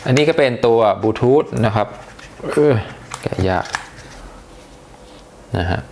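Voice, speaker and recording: A man's voice: medium pitch, lively intonation, slow pace, a little mellow, a little hiss or hum. A man giving a casual, chatty unboxing review, talking with hesitations and many polite particles. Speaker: tech reviewer.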